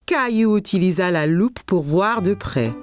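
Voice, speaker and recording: A woman playing a gentle storyteller who narrates a children's cartoon in scripted storybook style. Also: medium pitch, expressive, measured pace, soft background music, close to an everyday voice. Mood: storytelling. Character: gentle storyteller narrating a small boy's day.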